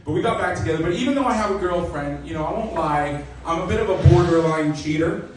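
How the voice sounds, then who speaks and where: A young man from Canada doing a self-mocking, deadpan stand-up set in a comedy club, with lots of "you know". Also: on the high side, fast talker, a little hiss or hum. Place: comedy club stage, live audience. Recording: echoey club recording from a distance. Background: audience laughter.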